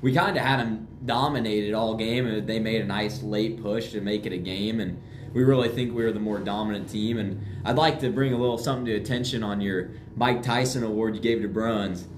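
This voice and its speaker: A young man with a lowish voice gives casual interview answers. He sounds confident and matter-of-fact, like a school athlete going over a season. The room is echoey, with faint noise behind him. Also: a little fast. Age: young adult. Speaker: high school basketball player being interviewed. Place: indoor room with guests present.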